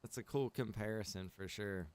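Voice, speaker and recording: A man's voice: on the low side, normal speed, a little mellow, clean tone. A man chatting casually while livestreaming a survival game, joking in a laid-back way and laughing often. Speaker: live streamer playing a survival roleplay game. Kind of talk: casual gaming livestream chat.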